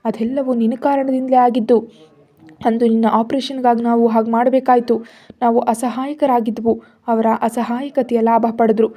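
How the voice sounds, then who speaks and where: A woman voicing a desperate middle-aged mother who shouts in anger. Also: a little high, little pitch movement, normal speed, close to an everyday voice. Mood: angry. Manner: shouting, indignant.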